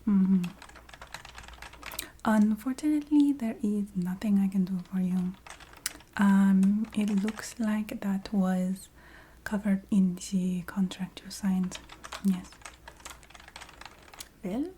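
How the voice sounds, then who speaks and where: A woman playing a courteous, matter-of-fact vampire receptionist in a soft-spoken ASMR roleplay, half-whispering in a put-on Eastern European accent with halting, formal phrasing. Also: medium pitch, slight background noise. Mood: polite, regretful. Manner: halting, formal phrasing with small hesitant hums.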